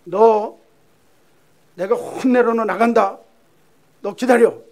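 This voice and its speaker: Man playing a stern, loud, fed-up father in a sermon story. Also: high-pitched, little pitch movement, normal speed, close to an everyday voice. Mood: angry scolding. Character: angry scolding father of a rude son.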